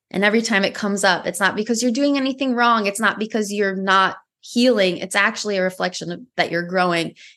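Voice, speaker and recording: A woman speaks in an animated tone at a very fast pace, her medium pitch moving with ordinary variation. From US, Romanian immigrant family. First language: Romanian. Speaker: mindset coach. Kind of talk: podcast interview.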